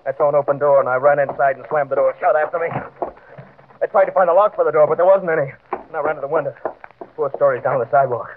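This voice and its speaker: A man's voice: a little high, fast talker, background noise, close to an everyday voice. An actor playing a desperate, hunted small-time hood, telling his story in slangy, fatalistic tough-guy style in a 1940s radio drama. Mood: panicked. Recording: tinny vintage radio recording.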